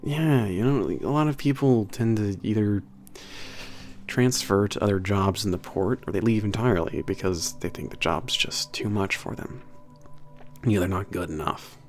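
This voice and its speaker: A man playing a big, burly, soft-hearted werewolf maintenance trainer in an ASMR roleplay, talking to the listener in a halting, casual, sweary and earnest way. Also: on the low side, faint music behind, natural voice. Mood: apologetic, encouraging. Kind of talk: ASMR roleplay audio drama, spoken to the listener.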